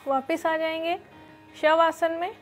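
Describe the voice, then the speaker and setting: A young woman teaching yoga in a studio, giving calm step-by-step instructions with many fillers, on a lapel mic. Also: extremely high pitch, slow, soft background music. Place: studio with red floor and dark curtains.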